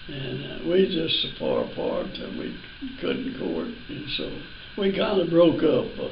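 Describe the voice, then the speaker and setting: In a Texan accent, a man talks at a fairly slow pace, with audible room echo and light background noise. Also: big swings in loudness. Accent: Southern US, Texan. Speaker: family elder recounting genealogy; interviewee. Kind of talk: oral history interview, reminiscing. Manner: halting, repeats words. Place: home room.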